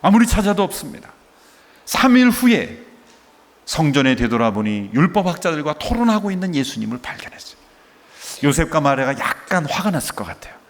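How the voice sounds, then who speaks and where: A middle-aged male pastor preaching a sermon with rhetorical questions and acted-out dialogue. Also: medium pitch. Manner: emotive preaching, asks rhetorical questions, acts out quoted dialogue. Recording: long hall reverb.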